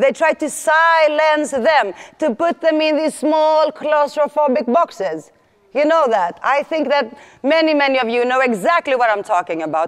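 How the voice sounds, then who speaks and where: A woman speaks in a high pitch with lively intonation. Her loudness stays very even. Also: moderate pace. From Sweden, Rinkeby suburb of Stockholm, Greek family. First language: Greek. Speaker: journalist and author, conference speaker. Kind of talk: conference keynote speech. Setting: stage with audience. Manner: animated, expressive.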